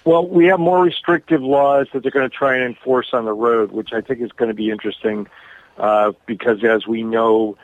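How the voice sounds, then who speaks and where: A man calling in to a radio show over a bad phone connection, speaking haltingly with many pauses and restarts. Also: medium pitch, steady tone, no echo. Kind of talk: call-in radio interview. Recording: tinny dry phone line.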